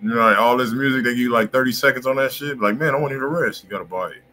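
A man's voice: mid-range voice, very fast, bright, forceful tone. An American man, around his thirties, hosts a music review live stream with casual, slangy banter. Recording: noisy live-stream room audio.

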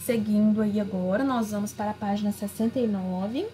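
A woman's voice: medium pitch, brisk, dark tone. A woman literature teacher in a recorded video lesson, reading each question aloud and then explaining its answer, with many small fillers. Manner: frequent fillers like "né" and "aí". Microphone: screen recording over a worksheet.

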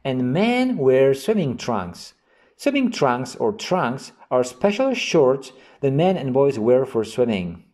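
A man hosting an English vocabulary lesson, reading example sentences and definitions slowly and clearly. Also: medium pitch, big pitch swings, darkish tone. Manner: slow, carefully enunciated reading of example sentences. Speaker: English teacher.

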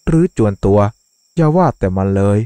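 A man narrating a dramatic horror story in a measured, suspenseful way. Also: lowish voice, lively intonation, warm tone, no echo. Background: faint music.

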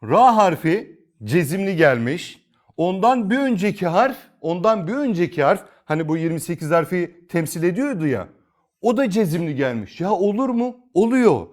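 A male teacher giving a step-by-step Quran recitation lesson speaks in a sing-song manner at a moderate pace, his pitch a little higher than typical for a man. His voice swings up and down as he lays out each rule, and he asks his students questions only to answer them himself, revisiting the steps over and over.

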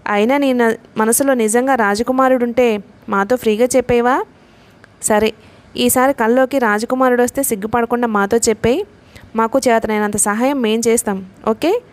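A woman reading a novel aloud, voicing a lively young woman who teases her friends. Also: on the high side, moderate pace, natural voice. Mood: teasing. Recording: audiobook narration.

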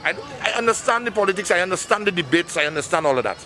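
A man's voice: high-pitched, lively intonation, very fast, sharp tone, soft background music. A man in his fifties with a Saint Lucian accent, earnestly giving his views to a street interviewer with a handheld mic. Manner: earnest, addresses the listener directly. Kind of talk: vox pop answer. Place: busy town street outdoors. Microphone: handheld mic held by interviewer.

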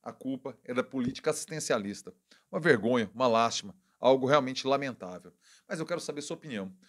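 A man with a Brazilian Portuguese accent doing casual political commentary as a channel host, indignant and wry, with quick self-corrections. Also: medium pitch, expressive.

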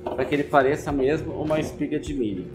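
Brief: Brazilian man, thirties, baker teaching in a kitchen, patient explaining tone, soft music under him. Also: on the high side, quick pace. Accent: Brazilian Portuguese. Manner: explanatory, gentle, many "né" and "assim" tags. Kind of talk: cooking demonstration.

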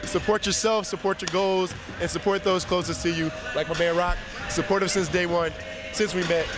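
A man's voice: sits high, steady tone, normal speed, music in the background. A young man speaking as an interview guest in an empty indoor arena, slightly nasal from a cold, easygoing and rambling into a handheld mic. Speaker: interview guest, basketball player. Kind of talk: casual interview chat.

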